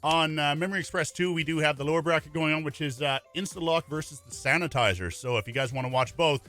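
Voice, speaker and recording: A man co-casting an esports event, halting at times, then upbeat. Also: a little high, bright, forceful tone, soft background music. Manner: hesitant starts, then upbeat promo delivery. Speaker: esports co-caster.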